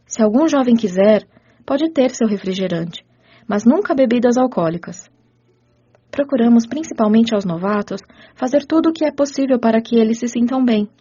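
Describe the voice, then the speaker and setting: An actress playing a kind, patient spirit caretaker who explains rules in a measured, teacherly radio drama delivery. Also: female voice, on the high side, dark tone, slightly rough. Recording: muffled audio with music underneath.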